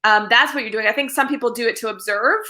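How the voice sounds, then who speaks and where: A woman's voice: a little high, fast talker, pushed and bright. A woman in a casual spiritual chat, speaking hesitantly and searching for her words. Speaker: tarot student.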